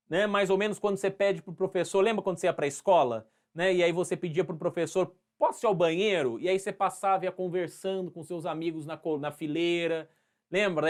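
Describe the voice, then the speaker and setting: A high-pitched man with an interior São Paulo accent teaches history in a live online class. He is playful and chatty, greets students by name, and acts out little scenes to make a point. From Brazil.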